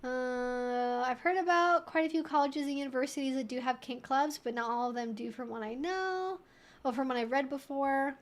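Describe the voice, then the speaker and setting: Speaking at normal speed with a voice that sits high, a woman runs a casual livestream Q&A. She rambles chattily through viewer questions, dropping in lots of informal asides.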